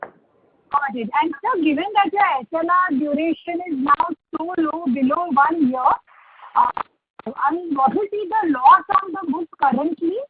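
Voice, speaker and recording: High-voiced woman analyst over the phone. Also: a little slow, a little hiss or hum. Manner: polite, keeps addressing the executive as sir. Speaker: analyst caller. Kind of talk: earnings call questions. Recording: tinny phone line.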